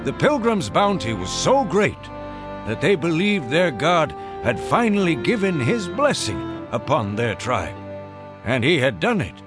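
An actor playing a dignified Native American chief who fondly recounts the past in measured, solemn radio drama narration. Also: male voice, on the high side, sing-song. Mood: reflective. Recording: music behind the voice. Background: clear music.

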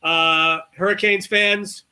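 A man's voice: high voice, fairly even intonation, takes it slowly, pushed and bright, clean tone. A man hosting a sports podcast in a casual, chatty style.

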